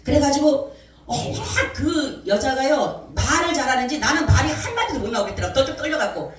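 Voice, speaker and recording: A woman's voice: high-pitched, brisk. Woman preaching in an echoey church. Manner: animated storytelling, acting out quoted voices. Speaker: pastor. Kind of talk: sermon testimony. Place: church sanctuary. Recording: echoey church hall mic from a distance.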